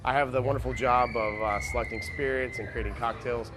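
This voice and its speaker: A man's voice: medium pitch, steady tone, a little fast, noisy background. A man talking conversationally in a promotional interview as a beverage director. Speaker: beverage director of a bar and restaurant.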